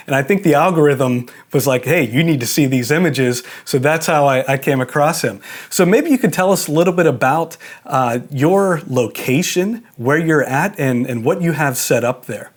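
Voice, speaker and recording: A man with a mid-range voice hosts a podcast in a casual, chatty way. He leans on fillers and loose asides. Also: medium pitch. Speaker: podcast host.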